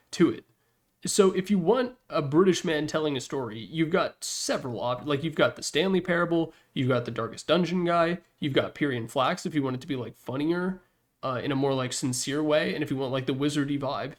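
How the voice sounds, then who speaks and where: A man hosting a gaming video with casual, unscripted tier-list commentary, rambling along in a jokey, self-deprecating way. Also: on the high side.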